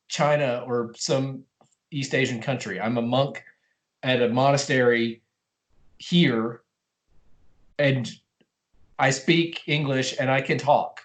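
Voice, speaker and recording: A man's voice: medium pitch, close to an everyday voice. A man playing a stammering, flustered monk. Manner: stammering, earnest, keeps correcting himself. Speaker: improv performer.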